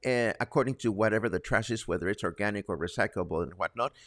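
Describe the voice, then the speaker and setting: This man's voice has vocal fry, captured in a very clean recording with a silent background and a dry, close sound with no echo. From Mexico. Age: 60s. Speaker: talk show host. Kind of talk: live stream talk show. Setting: live stream on social media. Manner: casual, conversational.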